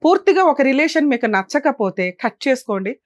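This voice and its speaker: Fast, scolding woman advocate. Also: high-pitched, expressive, dry recording, clean studio sound. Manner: scolding, emphatic, indignant. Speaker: advocate and show host. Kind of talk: stern lecture on a family dispute show.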